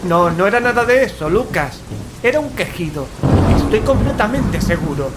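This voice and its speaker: A man's voice: high voice, animated, normal speed, very noisy. An actor from playing a fearful male paranormal investigator, telling horror in an anxious, ornate, dramatic way. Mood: nervous insistence. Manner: anxious, ornate, dread-laden delivery. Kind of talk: dramatic first-person horror narration and radio-play dialogue. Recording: dramatic music, rain and thunder behind. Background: music, rain, thunder.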